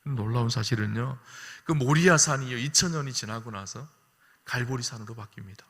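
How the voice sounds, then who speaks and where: A male pastor preaching to his congregation, often asking them short questions and swinging from soft to loud. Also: medium pitch, brisk, husky. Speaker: senior pastor. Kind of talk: sermon. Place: church sanctuary. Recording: long hall reverb.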